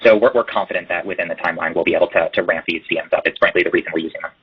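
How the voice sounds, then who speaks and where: A man speaking as a company executive answering questions on an earnings call, halting and repeating words for emphasis. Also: deep voice, fairly even intonation, breathy edge. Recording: muffled, band-limited conference call line.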